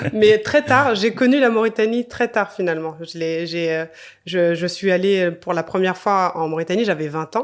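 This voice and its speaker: Lively in intonation, a woman at medium pitch speaks at a moderate pace amid noticeable background noise. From France, Paris. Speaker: illustrator. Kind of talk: podcast interview. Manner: halting.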